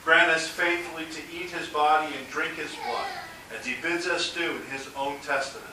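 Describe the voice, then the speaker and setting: A man's voice: fairly high pitch, steady tone, pushed and bright. Man, pastor, solemn liturgy, cathedral echo, distant mic, faint hiss. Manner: measured, solemn liturgical recitation. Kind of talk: liturgical prayer and words of institution.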